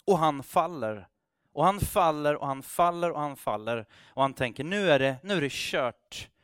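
A man's voice: a little high, lively intonation, a bit bright, clear, resonant tone, dry recording, studio quality. A man preaching, telling a story in a loose, conversational way with restarts and acted-out dialogue. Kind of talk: sermon storytelling.

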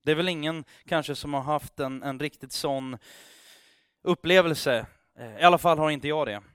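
A man's voice: fairly high pitch, fairly bright tone, smooth. A man preaching, his voice sitting a little above the usual male range. He tells a long story in a loose, chatty way, stumbling and restarting, and acts out the lines of the people in it. The sound is dry and close, with no room echo. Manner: conversational, with frequent restarts and acted dialogue. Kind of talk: sermon storytelling.

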